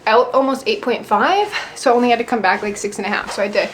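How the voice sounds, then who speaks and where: A woman vlogger chats casually to the camera indoors at home, speaking quickly in a fairly high-pitched voice. Light ambient noise can be heard in the background.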